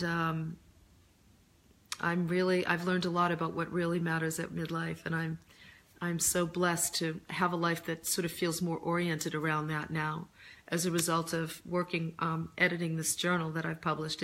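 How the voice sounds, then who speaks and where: A middle-aged woman recovering from laryngitis, chatting casually on a live stream in a reflective, earnest, halting way, her voice deeper than usual. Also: monotone, a bit bright. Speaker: host of a live stream, author and coach. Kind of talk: casual live chat answering viewer questions.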